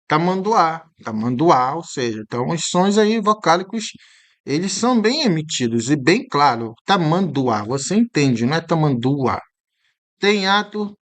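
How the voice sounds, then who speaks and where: A male exam-prep teacher talking through a commented test in a chatty way, often asking the viewer "right?" and slowly sounding out words to show how they are said. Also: on the high side, fairly bright tone. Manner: frequent tag questions to the viewer.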